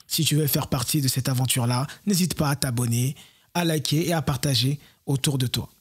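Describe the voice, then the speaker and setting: A man's voice: mid-range voice, brisk, husky. A young man from France, speaking earnestly and reflectively to his viewers in a personal vlog. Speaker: YouTuber and entrepreneur. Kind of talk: personal vlog talking to camera.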